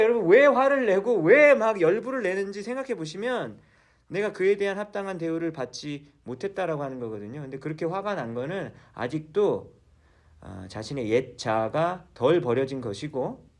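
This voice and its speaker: A male pastor preaching a sermon in a church, asking the congregation questions and then answering them himself. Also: on the high side.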